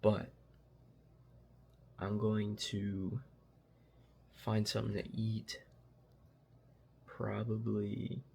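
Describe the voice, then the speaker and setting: Low flat gravelly young man vlogging. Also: slight background noise. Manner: reflective, self-motivating, unhurried. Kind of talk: casual vlog talking to camera. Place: at home, indoors.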